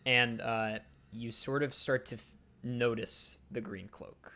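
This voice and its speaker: Male game master narrating scenes; relaxed, descriptive, mid-pitched. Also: slow.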